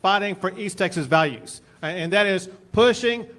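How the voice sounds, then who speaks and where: A man's voice: sits high, moderate pace, fairly bright tone. A man, a politician, giving a rallying campaign-style speech. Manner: rallying, declarative.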